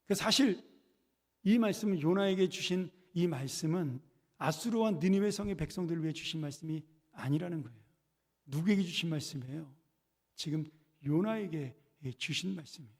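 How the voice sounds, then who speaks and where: A man's voice: fairly high pitch, moderate pace, a little mellow. A male pastor preaching a sermon in a church, telling a story with rhetorical questions. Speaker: senior pastor. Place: church sanctuary. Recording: long church reverb.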